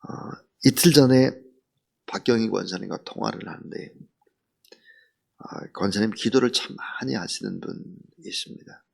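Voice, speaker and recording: A man preaching an early-morning sermon as pastor, earnest and full of rhetorical questions, swinging from loud emphasis to near whisper. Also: lowish voice, normal speed, creaky.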